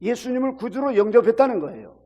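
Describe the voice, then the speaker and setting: A man's voice: extremely high pitch, animated, fast talker, darkish tone, in a large hall. A man preaching a sermon to a congregation, illustrating his points with acted-out everyday examples. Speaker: pastor.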